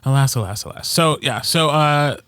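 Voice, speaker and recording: A man's voice: medium pitch, moderate pace, fairly bright tone, clean tone, no echo, clean studio sound. A man co-hosting a podcast in casual chat, with wry, self-deprecating humor. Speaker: podcast co-host. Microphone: close podcast microphone, dry sound.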